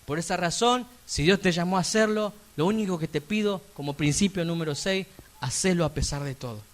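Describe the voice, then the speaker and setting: A man with an Argentine accent preaching a sermon in church, emphatic, with sudden loud rising peaks and chatty asides. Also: high voice, a little fast. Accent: Argentine Spanish. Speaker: pastor.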